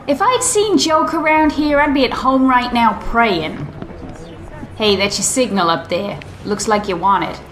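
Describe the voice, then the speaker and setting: A woman's voice: fairly high pitch, measured pace, background noise, close to an everyday voice. An actress playing a streetwise, wry city woman in a radio drama, flippant in manner.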